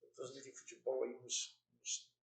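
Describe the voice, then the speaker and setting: A middle-aged man with a playful, animated way of telling stories about his years in radio and TV. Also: mid-range voice, normal speed, gravelly. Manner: playful, animated storyteller with jumps in loudness. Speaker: former sports broadcaster and TV presenter. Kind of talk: casual storytelling interview.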